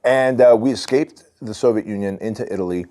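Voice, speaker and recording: A man's voice: on the low side, brisk, dark tone. A man in his forties from Armenia, a podcast guest telling his story in a candid, loose way. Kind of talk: casual storytelling.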